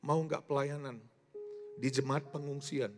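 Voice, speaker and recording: A man preaching a sermon as pastor, calling the congregation "saudara" and swinging from loud emphasis to quiet asides. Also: medium pitch, steady tone, unhurried. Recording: long hall reverb with soft music behind.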